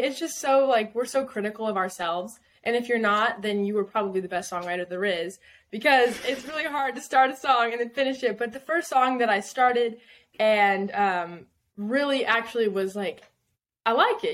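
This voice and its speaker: A woman's voice: fairly high pitch, fairly bright tone. Young woman guest, chatty and loose, many fillers, laughs easily. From Southern California. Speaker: guest singer-songwriter. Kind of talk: casual podcast interview.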